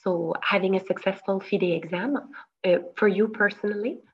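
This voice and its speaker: A language school founder from Montreal, Canada, whose first language is French, conducts an interview with warm, affirming questions. Her mid-range voice keeps a fairly even intonation at normal speed, and the lo-fi recording sounds muffled.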